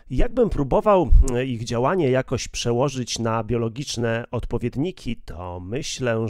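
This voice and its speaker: Slow, measured male gear reviewer. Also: mid-range voice, darkish tone, no echo, clean studio sound. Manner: explanatory, measured. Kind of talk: casual product demo.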